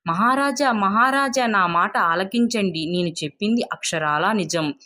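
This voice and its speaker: A woman's voice: mid-range voice, expressive, measured pace, bright, forceful tone. A woman voicing an envious, scheming village man in a storybook tale, sly and pleadingly insistent. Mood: flattering, insistent.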